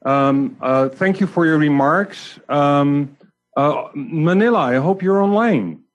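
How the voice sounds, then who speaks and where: Man, conference host, somewhat high voice, hesitant, repeated words, live moderation. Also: expressive, muffled recording. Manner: halting, with stammered repeats. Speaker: conference host handing over between sites.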